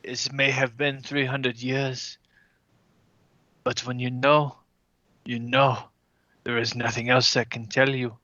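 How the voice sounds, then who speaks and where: A man playing a tabletop game, speaking in character in a slow, cryptic, solemn way. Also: medium pitch, little pitch movement, bright, forceful tone, no echo, muffled recording. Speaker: player. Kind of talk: in-character role-play.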